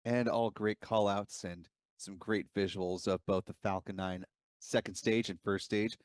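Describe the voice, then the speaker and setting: A man's voice: lowish voice, fairly even intonation, a little slow, clean tone, no echo, studio quality. A man giving live, explanatory commentary as host of a launch webcast.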